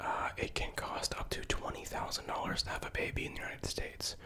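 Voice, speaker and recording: Someone whispers at a fairly quick pace over noticeable background noise. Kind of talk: whispered ASMR list reading, casual and humorous. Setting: cramped guest bathroom recording with mic bumps. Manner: whispered, soft-spoken.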